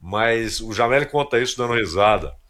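A man's voice: medium pitch, expressive, normal speed, a bit bright. A man commentating on a radio sports show, telling anecdotes and repeating words as he thinks. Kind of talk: casual radio chat.

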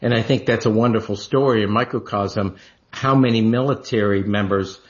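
Measured man on muffled radio audio. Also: lowish voice, steady tone. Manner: measured, thoughtful, with fillers. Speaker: guest. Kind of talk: radio discussion.

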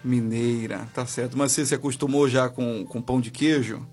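A man's voice: medium pitch, fairly even intonation, normal speed, a little mellow. A Brazilian man hosting a live religious radio call-in as a pastor, chatting affectionately with listeners. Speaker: radio host and pastor taking listener calls. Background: music bed.

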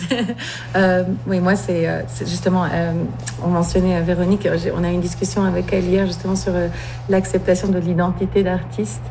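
Low, even-toned woman speaking. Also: fairly quick, poor audio. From France, of Iranian descent. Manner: thoughtful, searching for words. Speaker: guest, singer-songwriter and copyright lawyer. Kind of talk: radio interview. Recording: steady background hum.

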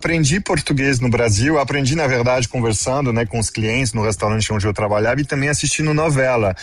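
A man's voice: mid-range voice, brisk, faint music behind. A man in his forties from France with a French accent, answering interview questions thoughtfully, with frequent hesitations. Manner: fluent, thoughtful, many hesitations and "né" tags. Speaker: guest, gastronomy and tourism event organizer.

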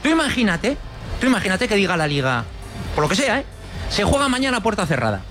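Animated high-voiced male sports pundit. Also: fast, faint music behind. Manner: emphatic, repeats phrases. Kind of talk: opinionated debate.

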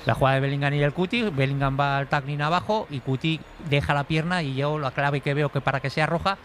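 A man breaks down referee calls play by play, methodical and technical. He talks quickly, at a slightly raised pitch. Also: a bit bright, a little hiss or hum. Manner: methodical, explains rules step by step. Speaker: refereeing analyst. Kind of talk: calm technical analysis.

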